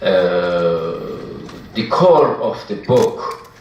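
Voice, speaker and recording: A man speaking very slowly, with noticeable background noise and audible room echo. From Turkey, Ardahan province. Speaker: historian professor. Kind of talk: lecture.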